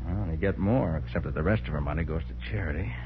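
An American actor playing a confident, shrewd private detective with brisk, probing questions in 1940s radio crime drama style. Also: male voice, deep voice, natural voice. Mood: reasoning. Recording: muffled, noisy 1940s radio recording.

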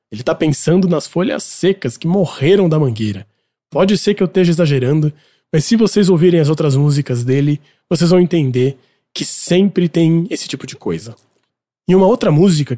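A man's voice: fairly high pitch, warm tone. A man with a Brazilian Portuguese accent, hosting a casual podcast segment and giving chatty, opinionated music commentary.

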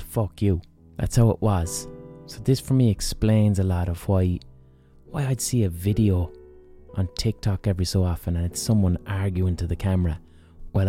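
A man's voice: low-pitched, dark tone. A man in his thirties hosting a solo podcast, talking bluntly and emphatically with frequent swearing. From Ireland. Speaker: podcast host.

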